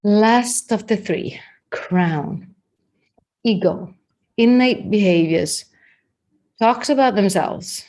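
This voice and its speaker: Woman, Danish accent, body language coach, slow unhurried delivery, chatty with fillers, middle pitch. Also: a little mellow. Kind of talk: live-streamed workshop talk.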